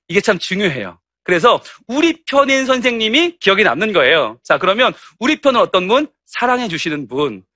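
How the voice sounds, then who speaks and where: A middle-aged male pastor giving a lively, humorous lecture to church teachers, acting out stories. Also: high-pitched, no room sound, clean studio sound. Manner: animated and humorous, acting out anecdotes.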